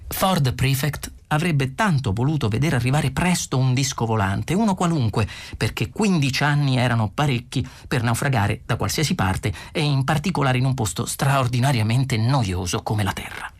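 An audiobook narrator reading a comic novel in an expressive, lively way. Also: moderate pace, hardly any pauses. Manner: expressive, with wide pitch swings.

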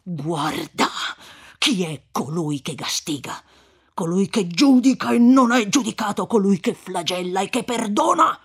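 A woman reading aloud and voicing a stern old male friar who rebukes sharply at times and turns slow and grave at others. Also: on the low side, husky, full character voice. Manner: stern scolding, rising to cries, then slow and hushed.

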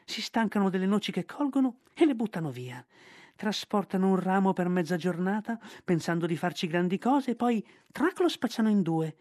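A man's voice: high voice, very animated, normal speed, darkish tone, no room sound, clean studio sound, voice pushed up. A man voicing a huge proud male rock python who talks with scorn and rising outbursts. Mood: scornful.

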